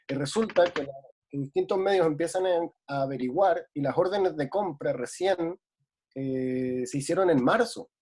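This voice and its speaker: A man's voice: fairly high pitch, a little mellow, breathy edge. A man from Ecuador speaking reflectively in a casual remote conversation, with many hesitations. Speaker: guest.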